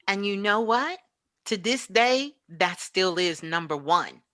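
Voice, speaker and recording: A woman's voice: medium pitch, lively intonation, takes it slowly, sharp tone. A woman giving an impassioned spiritual talk as a guest teacher, emphatic and repetitive like a preacher.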